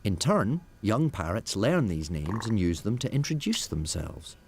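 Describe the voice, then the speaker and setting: A man's voice: lowish voice, very animated, measured pace. A man narrating a scripted nature documentary. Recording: noticeable background noise.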